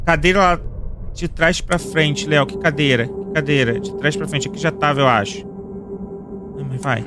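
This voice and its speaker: A young man with a Brazilian Portuguese accent doing let's play commentary as a streamer, reacting with excitable, panicky exclamations directed at his chat. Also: a little high, normal speed. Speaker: gaming streamer.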